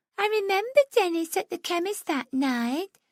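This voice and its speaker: At a moderate pace, the speaker uses a squeaky, put-on character voice with an extremely high pitch. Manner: mocking, stupid.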